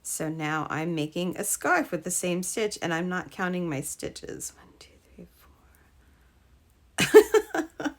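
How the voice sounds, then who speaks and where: A woman hosting a casual live crochet stream, chatting with viewers, her voice a little hoarse from a cold. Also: on the low side, sing-song, slow pace, pauses often. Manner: chatty, greets viewers, trails off and restarts. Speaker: crochet livestream host.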